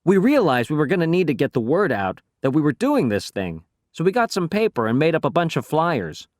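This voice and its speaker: A man reading a first-person children's story aloud as an audiobook narrator, telling it in an expressive, boyish voice. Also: a little high, no room sound, studio quality.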